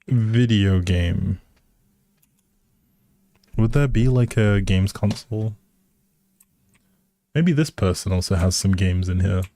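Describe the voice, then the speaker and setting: A man's voice: low voice, takes it slowly, pauses often, mellow, no echo. A man giving casual live game commentary as a streamer, musing aloud in a hesitant way.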